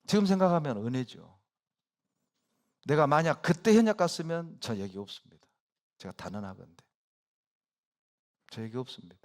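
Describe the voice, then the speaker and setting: Middle-aged man, pastor's sermon, lively swooping pitch, loud bursts then hushed asides. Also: moderate pace, pauses often. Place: church sanctuary.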